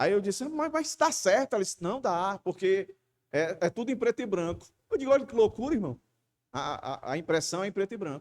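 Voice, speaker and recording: Speaking at a fairly quick pace in an animated tone, a man with a high voice makes very wide pitch swings, and the sound is dry and close with no echo. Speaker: pastor. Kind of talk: sermon. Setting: church. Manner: conversational, animated.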